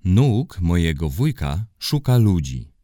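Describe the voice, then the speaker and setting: A man's voice: low-pitched, very animated, unhurried, darkish tone, no room sound, clean studio sound. A man voicing a small boy who proudly talks about dogs in a children's storybook reading.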